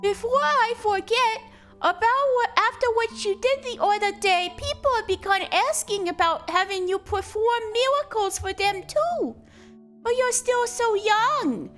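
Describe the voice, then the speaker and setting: A woman's voice: extremely high pitch, lively intonation, unhurried, fairly bright tone, faint music behind, pitched above the performer's own voice, exaggerated voice. Woman playing a haunted, guilt-ridden mother. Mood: gentle. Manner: anxious, brooding inner monologue. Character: frightened, guilt-ridden mother of a strange child.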